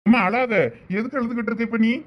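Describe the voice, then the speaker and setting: A man plays an anxious young nephew in a cartoon family feud, with a Thoothukudi Tamil accent, pleading quickly in a high voice. The recording sounds dull and lo-fi. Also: flat delivery. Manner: pleading, placating. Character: anxious young adult nephew trying to make peace. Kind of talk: cartoon family drama voice acting.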